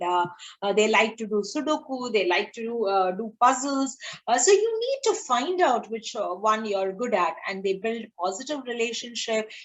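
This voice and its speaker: A woman with a fairly high voice talks to children in an easygoing, encouraging way. Her speech is sprinkled with "uh" fillers and she checks in with a "right?" after her points. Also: a bit bright, rough recording. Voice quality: frequent "uh" fillers, tag questions "right?". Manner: encouraging, simple examples for kids. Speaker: dentist giving a motivational talk to children. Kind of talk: informal talk to children.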